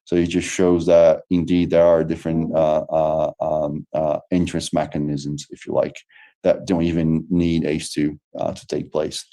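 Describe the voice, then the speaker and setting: This is a Brazilian man with a deep, dark voice that barely rises or falls. He answers questions hesitantly, with many fillers and self-restarts. He is speaking over a video call. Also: flat delivery, unhurried. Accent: Brazilian Portuguese. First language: Portuguese. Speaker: lecturer. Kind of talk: online lecture Q&A.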